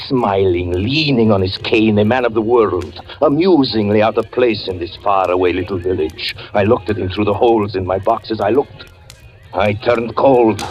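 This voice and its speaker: A man narrating an old radio drama as a fortune teller, in a brooding, measured way. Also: fairly low pitch. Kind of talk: 1940s radio acting. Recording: dull old radio broadcast with music.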